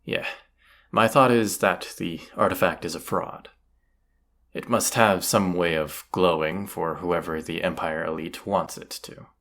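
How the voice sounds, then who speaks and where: A man's voice: sits low, fairly even intonation, unhurried, fairly bright tone. A man playing a cocky, teasing, commanding bandit leader in a roleplay audio drama, casual and swaggering. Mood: scheming, skeptical. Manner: casual, teasing, swaggering, rhetorical tag questions.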